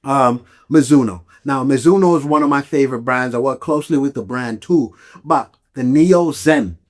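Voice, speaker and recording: Man, from Malawi, podcast host, casual explainer, emphatic, conversational, frequent check-ins, medium pitch. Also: moderate pace. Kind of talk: casual explanatory talk to listeners about gear.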